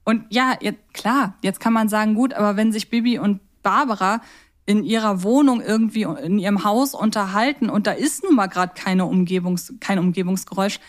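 Co-hosting a podcast, a woman talks casually about audio dramas, reflecting and asking questions as she goes. She has a medium-pitched voice and keeps a moderate pace.

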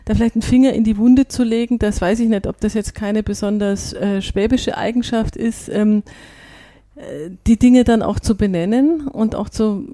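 A woman's voice: on the high side, normal speed, dark tone, dry recording, studio quality. A woman hosting a casual interview, asking questions in a teasing, playful way. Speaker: podcast host.

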